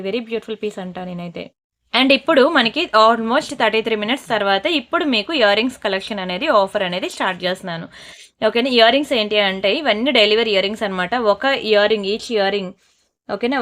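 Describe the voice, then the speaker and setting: A woman selling jewellery in a brisk, persuasive sales pitch, slipping into scolding asides. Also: a bit bright. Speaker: jewellery seller.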